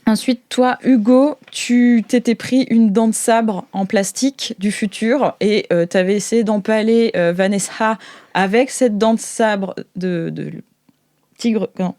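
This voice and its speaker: A woman's voice: fairly high pitch, steady tone, a little slow, dark tone, dry recording. A woman runs an improvised role-playing game as host. She narrates informally, searching for words and giggling easily, in a dry, close recording. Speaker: game master, show host.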